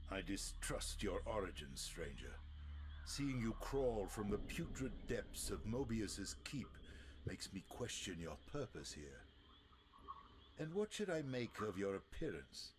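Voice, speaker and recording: An ancient vampire lord for a video game, haughty and world-weary. His speech is very slow and theatrical, with big sweeping swings of pitch and a bitter, sardonic edge. There is clear noise on the recording. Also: sing-song, heavily acted. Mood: grave, interrogating. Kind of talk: video game cutscene acting.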